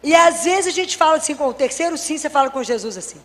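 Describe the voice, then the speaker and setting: A Catholic doctor giving a faith talk, telling anecdotes and acting out dialogues with wry humor. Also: female voice, sits high, lively intonation, fast talker, big-room sound. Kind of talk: preaching talk with lively anecdotes.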